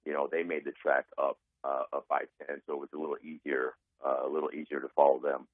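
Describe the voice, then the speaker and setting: A man in his forties from Arizona, a raspy-voiced guest speaking earnestly with many fillers over a phone line. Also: a bass voice, little pitch movement, fast talker, no room sound. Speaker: guest, athletic director. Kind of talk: phone interview.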